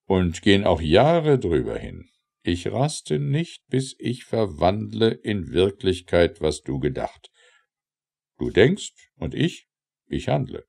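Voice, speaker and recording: Male audiobook narrator for satirical verse: low, creaky voice, declamatory and theatrical delivery. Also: wildly swooping pitch, darkish tone. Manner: theatrical, declamatory, measured phrasing with pauses. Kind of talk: dramatic recitation of satirical verse.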